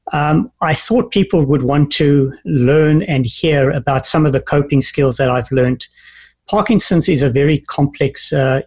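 A man in his fifties with a South African accent talks as a guest on a talk show. His voice is somewhat husky and sits a little high, and he speaks in an earnest, measured way, often restarting his sentences. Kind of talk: interview conversation.

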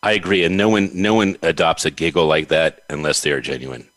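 A man with a very low, deep voice hosts an interview show. He talks in an effusive, appreciative way and giggles often. His voice is dry and close, with no room echo. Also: fairly quick, a bit bright. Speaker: podcast host. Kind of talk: interview conversation.

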